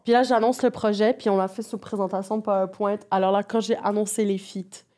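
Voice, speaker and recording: Mellow woman chatting in slang. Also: medium pitch, fairly even intonation, a little fast. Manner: informal, mixes English music slang into French. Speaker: guest, music project producer. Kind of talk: casual interview storytelling.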